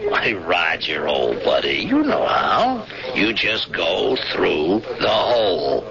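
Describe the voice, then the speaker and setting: An actor playing a sly, jovial smuggler and shady dealmaker in a 1970s radio drama, with folksy, slangy hustler's patter. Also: male voice, low voice, huge pitch swings, slow pace, creaky, a crowd in the background, heavily acted. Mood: goading. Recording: dull vintage radio recording with music.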